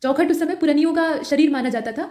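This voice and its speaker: A woman teaching an exam-prep lesson who explains step by step, asking questions and answering them herself, and reads example sentences slowly and deliberately. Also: sits high, warm tone.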